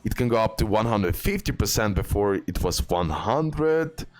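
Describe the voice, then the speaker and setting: A man with a low-pitched voice talks through gaming news as a content creator would. His delivery is informal and halting, with frequent fillers and little check-in tags as he goes. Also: lively intonation. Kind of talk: casual gaming news commentary over on-screen images.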